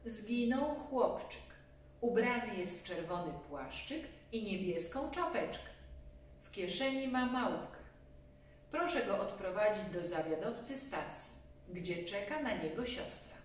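A loud, formal station announcer in a storybook, put on by a woman reader. The projected voice is raised in pitch and rings in a very echoey room, away from the mic. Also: animated, a little slow, natural voice. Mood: urgent, formal. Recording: echoey room, distant mic, faint hum.

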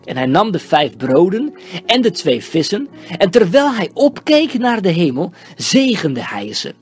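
A reader giving a solemn, measured scripted Bible reading. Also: medium pitch. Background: soft background music.

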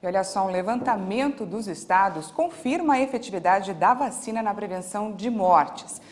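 A woman in her thirties anchoring a live newscast, with a crisp, measured delivery on a lapel mic. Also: mid-range voice, animated, a little hiss or hum. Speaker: news anchor. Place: outdoor studio set with trees.

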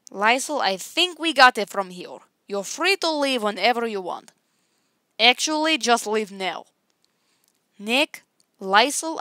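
A woman's voice: on the high side, a bit bright, dry recording, studio quality. A woman playing a blunt, protective middle-aged circus strongwoman in an audition, firm and emphatic. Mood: stern, scolding.

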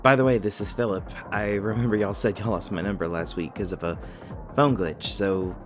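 A man's voice: lowish voice, steady tone, brisk, over music, close to an everyday voice. A man playing an anxious, nerdy young college student in an audio roleplay, rambling and stammering self-consciously. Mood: nervous, worried. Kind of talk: naturalistic audio roleplay acting.

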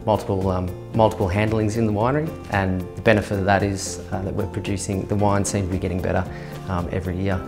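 A man, speaking as a winemaker in a filmed interview, measured and dotted with fillers. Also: low-pitched, flat delivery, creaky. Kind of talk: documentary interview. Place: indoor winery tasting room. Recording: music bed underneath.

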